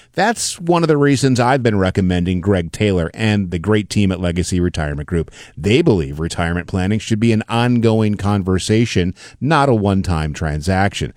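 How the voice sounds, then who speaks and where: A man's voice: lowish voice, a little mellow, no echo, studio quality. A man reading a scripted radio ad for a financial firm in a folksy, persuasive way. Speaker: ad spokesman.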